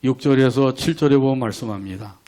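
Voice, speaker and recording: A man's voice: medium pitch, fairly quick, warm tone. A man preaching a sermon as pastor, asking the congregation rhetorical questions and leading them in repeating scripture line by line. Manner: leads congregation in call-and-response verse reading; asks rhetorical questions, acts out quoted prayers.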